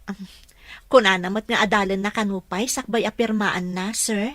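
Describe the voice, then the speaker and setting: A woman with a Filipino Ilocano accent acting a gentle, deferential young caregiver in an audio drama. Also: medium pitch, steady tone, normal speed, dry recording, natural voice. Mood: respectful.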